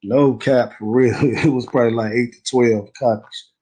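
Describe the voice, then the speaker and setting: A man in an interview, retelling a court visit in a rambling, animated way, quoting what people said. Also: mid-range voice, normal speed, breathy edge, poor audio. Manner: rambling, animated retelling with slang and quoted dialogue. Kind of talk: casual storytelling.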